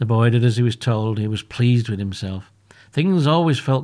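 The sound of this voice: Just an unforced reading voice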